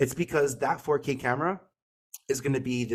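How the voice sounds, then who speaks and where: Speaking fairly quickly in a New York accent, a man has an animated tone and lively intonation. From Staten Island, New York. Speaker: media strategist. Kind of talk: podcast interview. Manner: stuttering repetitions.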